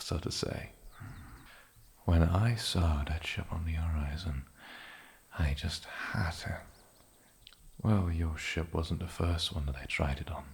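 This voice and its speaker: A man playing an ancient, lonely and possessive island demon in a soft-spoken ASMR fantasy roleplay, breathy and often slipping into whispers, with a halting, sinisterly polite menace. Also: sits low, a little hiss or hum, heavily acted. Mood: smug, pleased.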